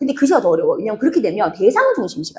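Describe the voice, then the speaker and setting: A woman's voice with very wide pitch swings. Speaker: Korean literature teacher. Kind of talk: lecture. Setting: recorded class video with assistant present. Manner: fast.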